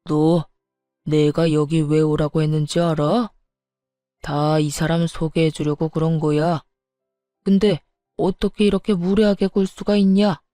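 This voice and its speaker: A woman voicing a domineering older father-in-law who scolds his daughter-in-law in a low, gruff voice. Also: flat delivery, a little slow, mellow, no room sound, clean studio sound, faint music behind. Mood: stern.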